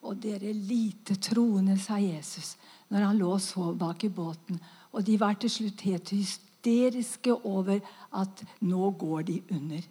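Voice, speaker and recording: A woman giving an emotional faith testimony, dropping to whispers and bursting into loud praise as she tells her story. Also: mid-range voice, husky. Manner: fervent, exclaims praise often.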